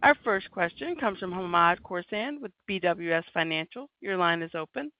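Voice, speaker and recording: A woman's voice: lowish voice, expressive, moderate pace, dry recording. A woman giving formal, scripted instructions as a conference call operator. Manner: formal, procedural. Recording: dry, slightly dull call audio.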